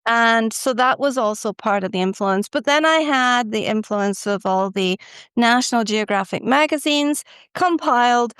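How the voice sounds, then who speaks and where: A middle-aged Scottish woman, a podcast guest telling her life story in a reflective, unhurried way with filler pauses. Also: a little high, fairly bright tone, smooth, no echo. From Scotland. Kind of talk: casual interview storytelling.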